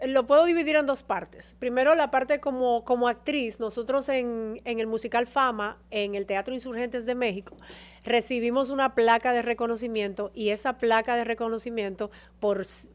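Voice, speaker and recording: A woman telling stories as a podcast guest, warm and expressive about her career and her home country. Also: fairly high pitch, moderate pace. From Dominican Republic. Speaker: guest, actress and TV presenter. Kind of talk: casual interview chat.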